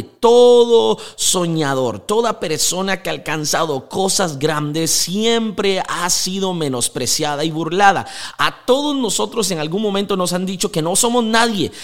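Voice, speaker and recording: A young Costa Rican man hosting his own motivational podcast, his voice pitched a bit above the usual male range. He talks with drive and emphasis, leaning on his words like a preacher urging listeners on. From Costa Rica. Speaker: podcast host.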